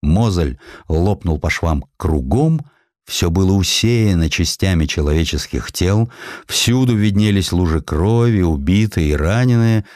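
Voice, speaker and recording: A man with a low voice reads a historical narrative in a theatrical, ironic way. His intonation is very lively and moves freely up and down. The sound is dry and close, as in a produced audiobook. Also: no echo. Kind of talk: dramatic scripted narration of a historical essay.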